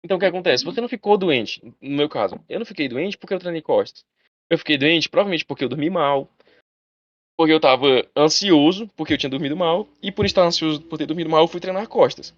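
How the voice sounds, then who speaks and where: Fast-talking man teaching a live class. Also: on the high side, dry recording, dull audio. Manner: fast, chatty, addresses students directly.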